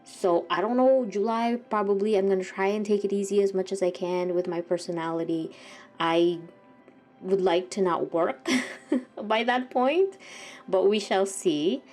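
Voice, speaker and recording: Here the art vlogger speaks unhurriedly in a mid-range voice, chatting softly as she paints at home with faint music underneath. Stuffed up and sniffling, she wanders from thought to thought and keeps revising what she says.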